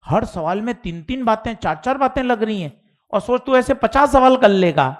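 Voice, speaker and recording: A man teaching physics in a live online class, explaining slowly and deliberately and acting out his students' questions. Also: extremely high pitch, lively intonation. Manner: addresses students informally, mimics their questions.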